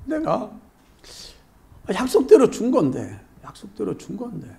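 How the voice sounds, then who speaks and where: A man's voice: high-pitched, wildly swooping pitch, unhurried, creaky, a little mellow, pitched above the performer's own voice, full character voice. A man voicing a landowner in a parable who firmly explains that he paid what he promised. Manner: reasoning, patiently arguing back. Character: calm firm landowner defending his fairness.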